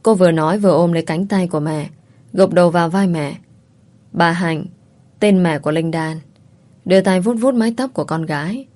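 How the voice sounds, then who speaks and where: A woman narrating a drama story in a calm, unhurried, reflective way. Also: fairly low pitch.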